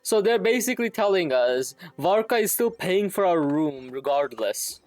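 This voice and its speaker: A man's voice: sits high, lively intonation, moderate pace, a little mellow. A man doing casual gaming stream commentary, rambling and thinking aloud with some salty language. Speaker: game livestreamer.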